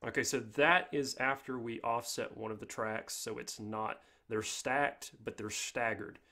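A man's voice: mid-range voice, steady tone, measured pace, pushed and bright. Male tutorial host, mid-range voice, informal step-by-step explainer. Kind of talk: casual software tutorial narration.

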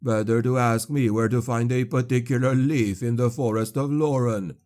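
A man voicing a broken old male sorcerer, locked in a cage, speaking slowly with a wheezing sneer. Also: mid-range voice, steady tone, a little mellow, lightly acted. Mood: mocking. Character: broken old male sorcerer, caged, mocking then fawning.

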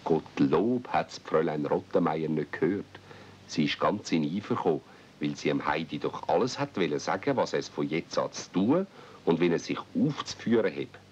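A man with a Swiss German accent tells a children's story in a low voice. He narrates as in a radio play. The old recording sounds dull, with faint rumbling noise. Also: very animated, normal speed. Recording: muffled, noisy old cassette with rumble.

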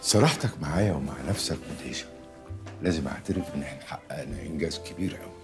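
A man's voice: very deep voice, racing, soft background music. An actor playing a self-assured man reassuring a friend, with an Egyptian Arabic accent.

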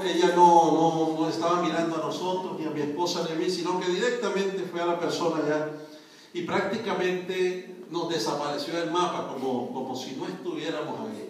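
A man preaching as a pastor, telling a missionary story and breaking into "glory to God" exclamations, with a congregation heard in a church hall. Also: a little high. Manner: testimony with frequent "Gloria al Señor" exclamations. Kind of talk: sermon. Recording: echoey hall from far off with congregation.

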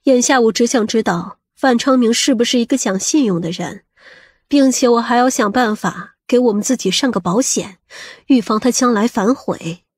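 A woman playing a shrewd, protective and excitable middle-aged mother in an audiobook drama, speaking emphatically. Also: on the high side, moderate pace, breathy edge, no echo, studio quality. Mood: calculating, firm.

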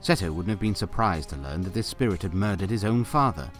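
A man's voice: low-pitched, lively intonation, a little fast, soft background music. A man narrating a fan audio drama in a playful storybook style, with wry, jokey asides.

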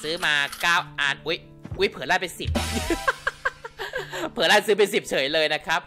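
A man hosting a gaming channel, giving chatty let's-play commentary and thinking out loud. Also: high voice, fast talker, over music. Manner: chatty, giggly, thinking aloud.

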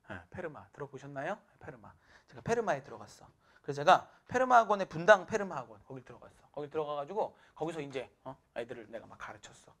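Lively fast-talking male math teacher. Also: a little high. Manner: animated, acts out quoted people, laughs at himself. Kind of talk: storytelling to students in a lecture.

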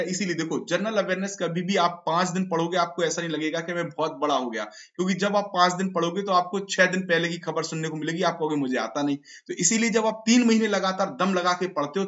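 Hoarse man, online class teacher, high bright voice, dull lo-fi audio. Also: a little fast, hardly any pauses. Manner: quizzing students and repeating answers. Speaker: online exam-prep teacher.

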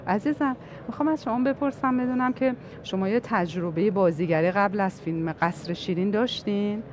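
A woman interviewer speaks in long, articulate questions, weaving in short affirmations. Her pitch sits mid-range and a clear layer of background noise runs under her voice. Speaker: interviewer host.

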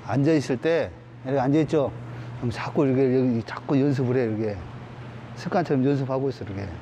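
A man's voice: medium pitch, quick pace, mellow, dull audio. Male sports coach, informal explaining, plain-spoken and repetitive, recorded in a gym with faint noise. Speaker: badminton coach. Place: large indoor badminton gym.

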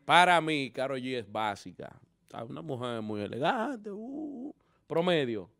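A man giving loud, joking opinions as a panelist on a casual entertainment show. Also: medium pitch, sing-song, unhurried, creaky.

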